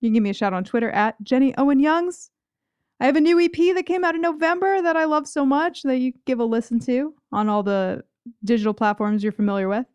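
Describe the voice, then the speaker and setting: Playful wry podcast lady, voice a bit high, super clear, dry recording no room sound. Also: quick pace, darkish tone, no echo. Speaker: podcast co-host. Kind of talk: casual chat, plugs.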